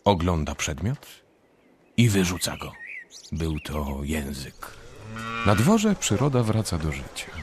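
A man's voice: low-pitched, very animated, slow pace, long pauses, a little hiss or hum. A man narrating a radio drama from a script.

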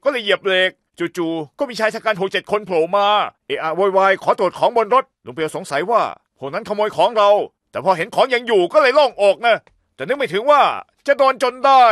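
An actor dubbing a fretful, bumbling middle-aged shop manager who pleads and excuses himself in a TV drama. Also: male voice, sits high, a little fast, no room sound. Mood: anxious. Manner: apologetic, pleading then excitable gossiping. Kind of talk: Thai dub of a TV drama. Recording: dry studio dub with faint music.

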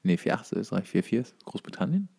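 A man's voice: lowish voice, very animated, fast, creaky, mellow, slightly rough. A man in casual podcast banter, joking, interjecting and explaining things loosely. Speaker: podcast co-host.

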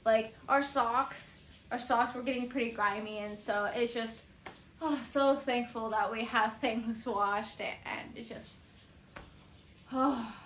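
A woman's voice: a little high, steady tone, slow pace, fairly bright tone. A woman in her twenties vlogging casually to camera in a bedroom, rambling and correcting herself as she goes. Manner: rambling, self-correcting, often laughing between phrases. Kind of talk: casual unscripted chat to camera. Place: small bedroom indoors. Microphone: camera a few metres away. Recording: roomy echo, some background noise, mic at distance.

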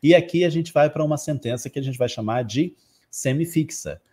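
A man from Brazil teaching an online English lesson, explaining patiently and repeating phrases slowly for practice. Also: a little high, darkish tone.

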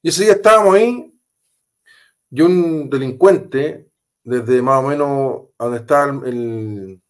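A man's voice: medium pitch, slow. Emphatic Chilean man recounting a story. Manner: emphatic, repetitive, casual slang. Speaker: interview guest, former police officer.

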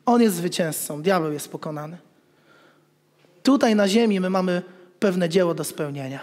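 A man in his thirties, a pastor, preaching an animated sermon with jokes, at a pulpit in a church hall. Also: high voice, normal speed. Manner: animated, gestures while preaching, jokes with the congregation. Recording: long reverb of a church hall.

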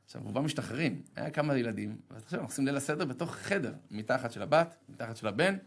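A rabbi giving a sermon, telling a personal story with humor and acting out the voices of others. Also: male voice, creaky. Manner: animated, humorous, self-deprecating storytelling; acts out dialogue with sharp pitch jumps.

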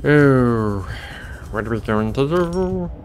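A man's voice: medium pitch, animated, slow, a little hiss or hum. An American man giving casual, rambling let's play commentary with wry asides. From United States. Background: video game music.

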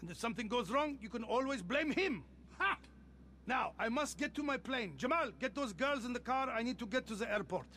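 An actor playing a pompous, jovial, middle-aged rich car collector with an Arab accent and a theatrical manner in a video game. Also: male voice, very high-pitched, brisk, slight background noise, heavily acted. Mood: jovial, scheming. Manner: theatrical, grandiose, animated. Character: flamboyant wealthy car collector, male, pompous, jovial, bossy older cousin. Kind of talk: video game cutscene acting.

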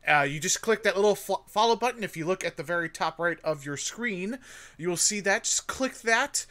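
Bright clear-voiced guy cohosting a stream, chatty, lots of uhs. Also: high voice, lively intonation, moderate pace. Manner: chatty, promotional, filler-heavy. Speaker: podcast co-host and game streamer. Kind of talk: casual chat while streaming a game.

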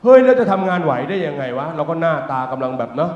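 A male comedian tells stories on a big theater stage, crude and animated, swearing freely. His voice sits a little high. The sound rings in a roomy hall and comes out slightly dull. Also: fast. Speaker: financial coach and comedian. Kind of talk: live stand-up talk show.

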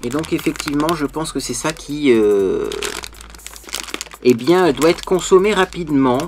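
A man's voice: on the high side, animated, a little slow, background noise. A man, a beauty youtuber, chatting casually and animatedly while unboxing a parcel, full of fillers.

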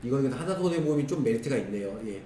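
A man in his thirties with a hoarse, strained voice, walking through insurance products in brisk, clipped phrases. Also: medium pitch, expressive, warm tone, far from the mic. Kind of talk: screen-share product walkthrough. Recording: roomy echo, voice off-mic with faint noise.

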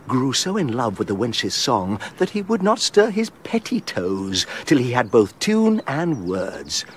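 A man's voice: lowish voice, slight background noise. An actor playing a gleeful, boastful male peddler and pickpocket in a radio drama. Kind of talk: classic radio drama acting.

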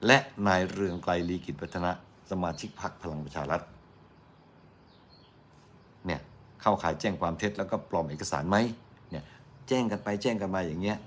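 A man's voice: low voice, husky. A middle-aged man from Thailand giving casual, argumentative morning news commentary on radio, chatty and quoting his critics mockingly.

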